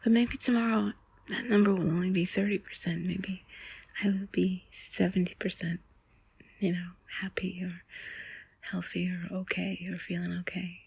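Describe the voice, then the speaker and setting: Woman doing soft intimate asmr, super breathy husky whisper, bit of fry, real close and dry. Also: fairly low pitch, flat delivery, moderate pace, no echo. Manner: soft, intimate, rambling confiding talk. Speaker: intimate audio host. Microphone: close mic.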